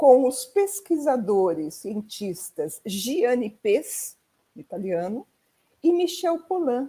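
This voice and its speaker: Very slowly, a woman with a high pitch and a dark, mellow tone speaks with very wide pitch swings. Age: 60s. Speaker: journalist. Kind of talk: interview. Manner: halting, repeats words.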